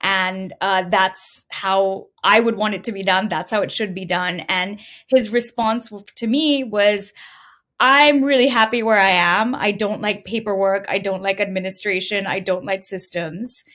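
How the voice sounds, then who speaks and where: Woman, middle-aged, from India, interview guest, conversational storytelling, average pitch. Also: a little slow, a bit bright. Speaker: podcast guest, entrepreneur. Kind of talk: conversational interview answers, telling own story.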